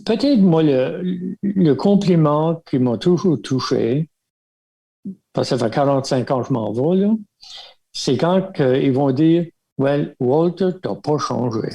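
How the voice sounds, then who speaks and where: An older Acadian man from Baie Sainte-Marie, Nova Scotia, a religious brother, is the guest in a casual storytelling interview. His gravelly, mellow, slightly high voice carries Acadian French from that region as he reminisces unhurriedly, sprinkling fillers and light chuckles through his sentences.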